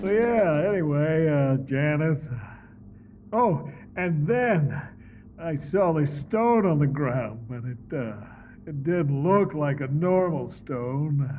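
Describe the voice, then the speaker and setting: An actor playing an awkward, lovestruck, simple wanderer in a comedy audio drama, halting and bashful as he rambles. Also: a little high, lively intonation, narrow, tinny audio, slight background noise. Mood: bashful, smitten. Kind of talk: post-apocalyptic comedy audio drama acting.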